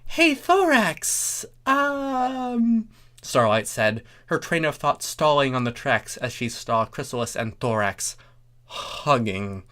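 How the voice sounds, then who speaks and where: A narrator reading comic fan fiction aloud in a deliberate, theatrical way, with wry asides. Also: medium pitch, a bit bright. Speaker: narrator, story reader.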